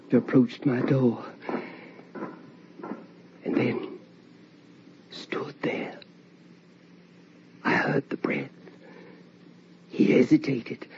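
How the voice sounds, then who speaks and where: Ghostly middle-aged mother, radio play: very slow, halting, sorrowful, on a dull, noisy old recording. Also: low voice. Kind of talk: radio drama monologue.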